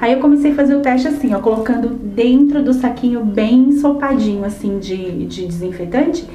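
Speaking with a Brazilian Portuguese accent, a young woman chats cheerfully to her viewers while showing chores indoors in her small apartment's bedroom and bathroom. Her voice is a little high and mellow at a moderate pace, captured on a handheld wide-angle camera mic with slight background noise.

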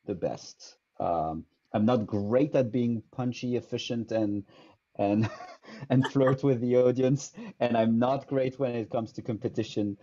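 A man from France speaks English with a French accent, in his thirties, talking through a headset on a video call. His voice is dark and mellow. He thinks aloud with frequent fillers and restarts, and the call audio sounds dull and lo-fi. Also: medium pitch, a little slow. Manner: thoughtful, hesitant, many fillers and restarts. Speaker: improv teacher. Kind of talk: casual interview answers. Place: small room indoors.

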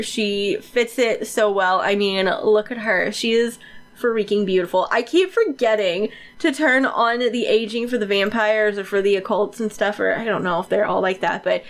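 A woman with a stuffy nose from a cold, giving chatty, informal game commentary as a channel host, repeating words for emphasis. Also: medium pitch.

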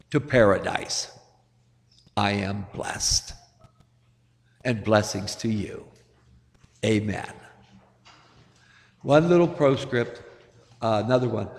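Slow-preaching priest in a reverberant church. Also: male voice, mid-range voice. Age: older. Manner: gentle, storytelling, chuckles at his own jokes. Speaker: Catholic priest. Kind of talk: sermon.

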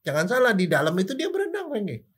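An older man with a somewhat high voice explains things the way a doctor would. He keeps it casual, tossing out rhetorical questions and playful sound effects as he goes. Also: wildly swooping pitch, fast, fairly bright tone, husky. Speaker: forensic doctor.

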